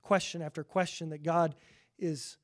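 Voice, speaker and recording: Middle-aged pastor, man, noticeably high voice, earnest pulpit delivery that swells on scripture and sinks for asides. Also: steady tone, moderate pace. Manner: earnest preaching, rising loud on scripture, dropping quiet for asides. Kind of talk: sermon.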